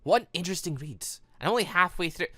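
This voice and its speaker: Man as young visual-novel protagonist, bookish and earnest, wordy and awkward, animated pitch, dry sound. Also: fast talker, no echo. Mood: fascinated.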